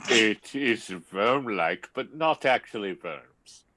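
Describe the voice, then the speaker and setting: A man playing an earnest, measured vampire with a deadpan manner in a table read of a film script. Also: fairly low pitch, dry recording, full character voice.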